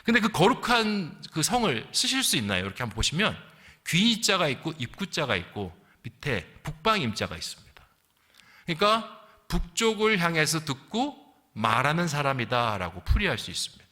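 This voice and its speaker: Middle-aged male pastor, animated and bright, teaching a sermon; church with a long echo. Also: fairly high pitch, normal speed. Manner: lively teaching sermon, asks the congregation questions. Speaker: senior pastor. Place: church sanctuary. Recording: long hall reverb.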